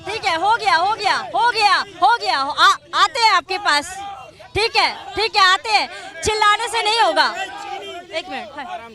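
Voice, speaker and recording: Woman anchor, very high pitched and bright, firm moderator asking a crowd for calm, outdoor debate, faint crowd behind. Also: measured pace. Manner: firm, repeatedly calling for calm over interruptions. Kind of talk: live street debate moderation.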